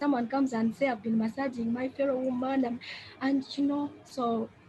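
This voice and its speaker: Amid noticeable background noise, a woman speaks at a moderate pace in a high voice with fairly even intonation. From Uganda. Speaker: undercover journalist. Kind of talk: panel discussion.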